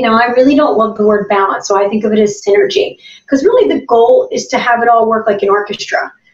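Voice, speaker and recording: Against a quiet background with audible room echo, a woman talks at a fairly quick pace, her pitch fairly high and ordinary in variation. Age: 40s. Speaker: magazine editor; guest. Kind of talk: interview. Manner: animated. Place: home room. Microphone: video call.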